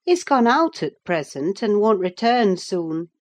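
A woman voicing a brisk, kindly middle-aged housekeeper, speaking higher and livelier than her narration in a storybook reading. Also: very animated, darkish tone. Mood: welcoming.

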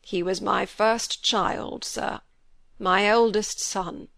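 A woman's voice: medium pitch, steady tone, vocal fry, fairly bright tone, dry recording, clean studio sound, full character voice. A woman voicing a grief-stricken old squire. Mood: grieving. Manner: slow, broken, heavy with grief. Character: grieving older male country squire.

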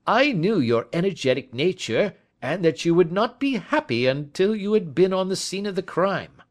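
Self-assured police inspector, high and brisk, for a storybook reading, as a male narrator puts him on. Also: sing-song. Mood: condescending. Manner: condescending, confident.

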